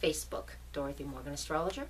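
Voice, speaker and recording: A woman's voice: deep voice, very fast, a little hiss or hum. Chatty New England woman astrologer. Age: middle-aged. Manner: chatty, checks in with listeners. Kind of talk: casual forecast video. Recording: voice a bit distant from mic.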